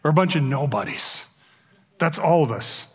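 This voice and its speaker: A man's voice: fairly high pitch, lively intonation, normal speed. A man pastor, preaching a conversational sermon and acting out the lines he quotes. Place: church sanctuary. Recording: long reverb of a large hall.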